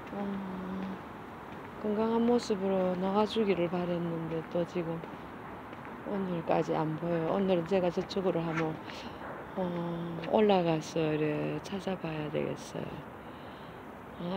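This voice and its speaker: Middle-aged woman, slow doting voice coaxing cats, faint traffic behind. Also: fairly low pitch, steady tone, highs cut off. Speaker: cat caretaker vlogger. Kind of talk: casual vlog talk to stray cats. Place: outdoors by a street.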